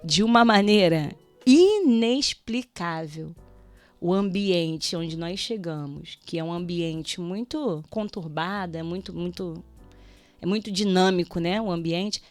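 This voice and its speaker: A woman speaking as a guest on a Christian radio show, telling a personal testimony with animated storytelling, acting out prayers and conversations and laughing often. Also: lowish voice, a little slow, dry recording, faint music behind. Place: radio studio.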